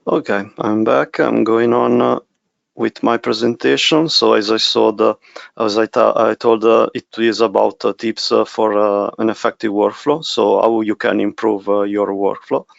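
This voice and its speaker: A man with an Italian accent presenting a software webinar, speaking haltingly with many pauses. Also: on the low side, level tone, vocal fry, no room sound, highs cut off. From Italy. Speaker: technical specialist presenter.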